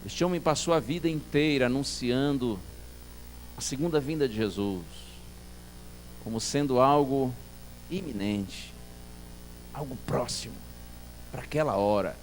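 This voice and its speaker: A male pastor preaching a sermon as a story, acting out dialogue and swinging from soft to loud. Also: mid-range voice, measured pace, long pauses, slight background noise.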